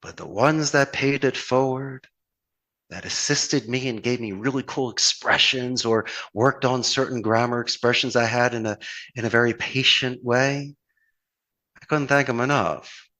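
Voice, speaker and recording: The recording is low quality, but the voice comes through at medium pitch, unhurried, pushed and bright. It belongs to a Philadelphia-born call center owner with a local accent, chatting as a podcast guest and telling motivational stories in an earnest, flowery style heavy on rhetorical questions.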